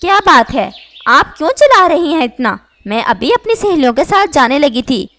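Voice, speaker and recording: A woman's voice: sits high, big pitch swings, normal speed, a bit bright, exaggerated voice. A woman doing a rude, spoiled girl bird. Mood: irritated. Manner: rude, dismissive.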